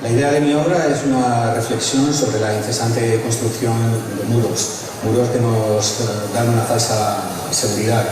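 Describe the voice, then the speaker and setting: A sculptor from Madrid answering interview questions in an earnest, measured way. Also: male voice, medium pitch, steady tone, noisy background. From Madrid, Spain. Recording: echoey distant recording, long reverb.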